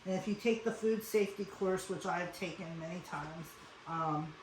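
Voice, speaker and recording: A woman with a lowish voice and a moderate pace runs a casual, chatty cooking show from her home kitchen, wandering off topic and calling her audience "folks." She was born in South Korea and grew up in Western Pennsylvania. The recording echoes slightly and carries faint noise.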